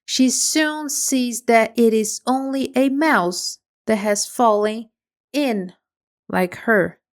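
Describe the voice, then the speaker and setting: A woman reading a children's story aloud for English learners, in clear, measured storytelling. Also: fairly high pitch. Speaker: story reader.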